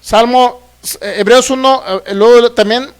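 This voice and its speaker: High-pitched guy from mexico preaching, reads verses slow and keeps asking the church if they follow. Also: fairly even intonation, smooth. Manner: asks the congregation frequent check questions; reads scripture aloud slowly and emphatically. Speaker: pastor. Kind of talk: sermon, Bible teaching.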